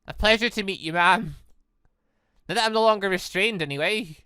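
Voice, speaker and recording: A man's voice: sits high, normal speed, sharp tone, clean tone, no room sound, studio quality. A man voicing a cheeky, harmless young man, the flippant and wry hero of a visual novel. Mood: cheeky, polite.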